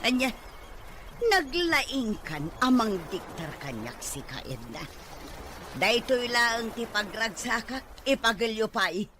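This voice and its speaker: A woman's voice: fairly high pitch, big pitch swings, slow, sharp tone, a little hiss or hum, exaggerated voice. An actress with an Ilocano accent playing an irresponsible, defiant mother in an audio drama. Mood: defiant, annoyed. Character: irresponsible, defiant mother fond of drink and gambling. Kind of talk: Ilocano radio-style drama acting.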